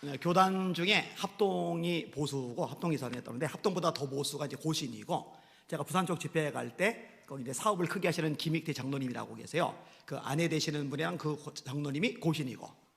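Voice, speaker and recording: A man's voice: fairly high pitch, brisk, gravelly, a bit bright. A man preaching as pastor in a conversational style, recorded in a church. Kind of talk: sermon. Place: church sanctuary. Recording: reverberant church hall.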